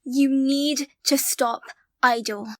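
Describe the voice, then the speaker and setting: A woman acting a blunt, suspicious, sharp-tongued young woman in an audio drama. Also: sits high, fairly even intonation, slow, no room sound, studio quality. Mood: wary.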